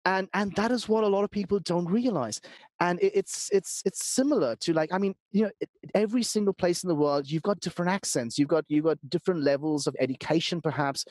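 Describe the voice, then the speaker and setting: A man from Calcutta, Bengali his first language, talks as a podcast guest in a fairly high voice. He is emphatic and earnest, often repeating a word before he gets going. The recording is close and dry. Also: fairly quick, darkish tone, dry recording. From India, Calcutta. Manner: earnest, emphatic, repeats words when starting. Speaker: podcast guest, business strategist. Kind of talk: conversational interview.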